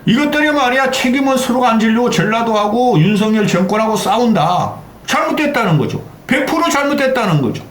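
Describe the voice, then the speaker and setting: A man's voice: very high-pitched, expressive, a little fast, few pauses, a bit bright. An older man hosting a political commentary channel, ranting angrily, swearing and constantly throwing in "eh?" between sentences. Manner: heated, swearing, repeatedly interjecting "eh?". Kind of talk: angry political rant. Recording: echoey room with faint background noise.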